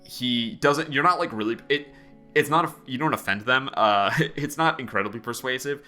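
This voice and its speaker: A man running a tabletop game as game master, narrating haltingly with many fillers. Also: medium pitch, sharp tone, faint music behind.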